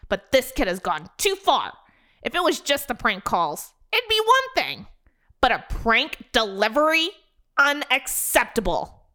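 A man putting on a shrill whiny guy. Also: sharp tone, heavily acted. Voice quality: shrill, high and strained. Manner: squeals and protests in outbursts. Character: whiny excitable grown man, easily outraged.

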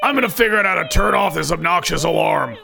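A performer voicing a grumpy, weary male pizza shop manager with a creaky voice and a reluctant, annoyed manner. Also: mid-range voice, big pitch swings, brisk, voice pushed up.

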